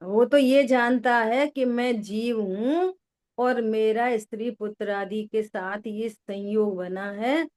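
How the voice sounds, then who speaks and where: Female spiritual teacher, fairly high voice, slow deliberate delivery, quizzes her listeners. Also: darkish tone. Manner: asks listeners questions, repeats key words. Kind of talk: slow religious discourse with listener check-ins.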